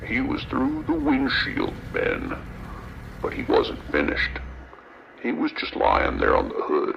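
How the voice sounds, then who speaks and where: A man playing an eerie, morbidly fascinated trucker in a horror audio drama, savoring each phrase with slow, unhinged calm over a muffled CB radio. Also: a bass voice, vocal fry, heavily acted. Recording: muffled CB radio with faint noise.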